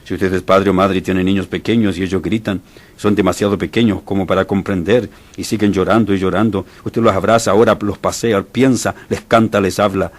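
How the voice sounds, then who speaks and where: Male preacher, very low voice with a husky edge, emphatic sermon delivery. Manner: emphatic, with sudden rises in pitch and volume.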